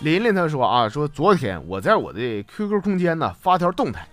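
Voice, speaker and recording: A man with a Northeastern Mandarin accent tells jokes as a comedy host, with a bright, high voice. His pitch swings in a wildly animated way as he teases and laughs along with his stories. Music plays clearly behind him. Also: a little fast. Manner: playful, laughing, teasing. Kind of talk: comic storytelling, reading jokes. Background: background music.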